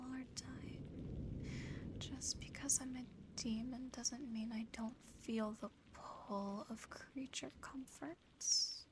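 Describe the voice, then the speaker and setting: A woman playing a seductive, possessive female sleep paralysis demon in a teasing, breathy ASMR whisper, close to the microphone. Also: on the high side, background noise. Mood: wistful, teasing. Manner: slow, breathy whispering, teasing, lingering pauses.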